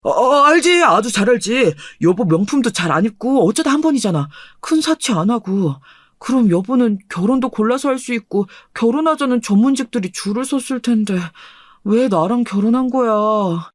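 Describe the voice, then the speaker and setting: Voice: medium pitch, animated, moderate pace, dry recording, clean studio sound, lightly acted. A performer voicing an earnest, deferential husband in his thirties in a dramatized radio story.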